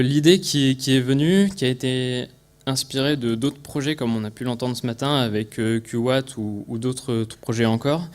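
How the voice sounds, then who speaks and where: A man from France with a French accent presents a technical project at a conference. His pitch is medium, and he speaks haltingly, restarting phrases and repeating small words along the way.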